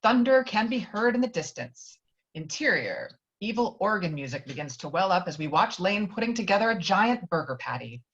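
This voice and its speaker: A woman narrates the action of a film script at an informal read-through. Her voice sits at an average pitch, and she trips on words and corrects herself. The audio is a little dull and lo-fi. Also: sing-song, moderate pace. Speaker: reader of stage directions. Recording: dull lo-fi online call audio.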